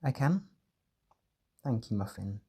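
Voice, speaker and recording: A man playing a gentle, doting caretaker in a comfort roleplay audio, speaking softly and breathily with tender, coaxing reassurance. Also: fairly low pitch, lively intonation, takes it slowly, slightly rough, full character voice. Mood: playful, affectionate. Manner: tender, reassuring, coaxing, uses pet names. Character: gentle doting male caretaker soothing an overwhelmed partner.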